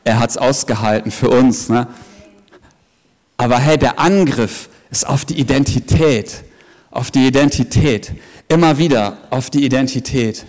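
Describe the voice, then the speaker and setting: A man's voice: mid-range voice, unhurried, darkish tone. A man preaching a sermon in an emphatic, earnest way with joking asides, heard in a large hall at an evening service. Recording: long reverb of a big hall.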